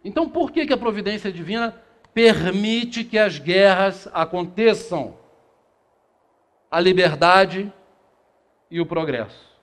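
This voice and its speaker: A man's voice: high-pitched, expressive, measured pace, long pauses, fairly bright tone. A middle-aged man from Brazil giving a spiritist lecture in a small meeting room, reading passages aloud and posing rhetorical questions that he answers himself. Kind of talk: lecture to a seated audience. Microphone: far camera, no handheld mic.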